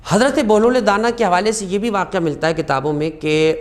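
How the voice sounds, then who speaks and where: A high-pitched man, a guest scholar on a religious talk show, tells stories with great passion. Key phrases get a sharp rise in his voice, while Arabic quotations are recited slowly.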